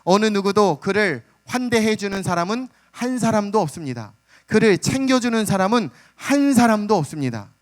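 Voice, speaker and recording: A man's voice: high voice, expressive, moderate pace. A man preaching a sermon as pastor, telling the story with dramatic flair and calling out to the congregation. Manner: dramatic storytelling, acts out the beggar's cries; calls out "hallelujah" and addresses the congregation.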